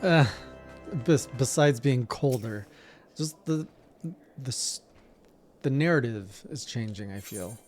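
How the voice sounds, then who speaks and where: Relaxed male gaming streamer, native French speaker. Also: medium pitch, slow pace, long pauses, faint music behind. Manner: relaxed, musing, self-deprecating, trails off. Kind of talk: casual gameplay commentary.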